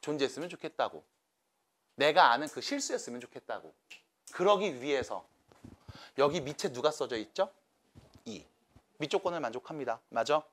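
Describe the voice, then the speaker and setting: A man's voice: on the high side, fairly bright tone. A man teaching a math class to students, coaxing and checking in with them by name.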